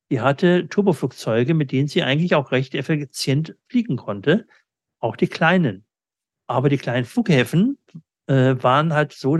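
A middle-aged man answering business interview questions reflectively, often pausing in mid-sentence as he talks. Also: on the high side, no echo, studio quality. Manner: halting, with frequent pauses mid-sentence. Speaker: interviewee, company owner and sales agent.

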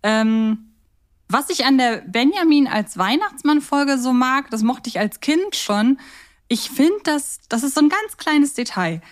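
A woman's voice: high-pitched, lively intonation, a little slow. A woman co-hosting a podcast, chatting casually and enthusiastically as a fan of audio dramas. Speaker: podcast co-host. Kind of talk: casual chat about children's audio dramas.

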